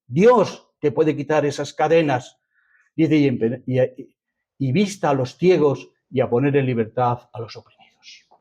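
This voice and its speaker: A man's voice: medium pitch, measured pace, mellow, highs cut off. A man with an accent from Spain preaching a sermon to a congregation, emphatic and fond of rhetorical questions and repetition. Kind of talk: sermon, reading and expounding scripture to a congregation.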